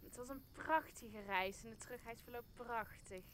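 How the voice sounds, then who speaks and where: A woman plays a cynical, scheming courtier in a Shakespearean audio drama. Her voice is fairly high and sardonic, full of needling quips. Faint background noise runs underneath. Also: moderate pace, fairly bright tone, lightly acted. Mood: mocking. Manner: sardonic, quipping.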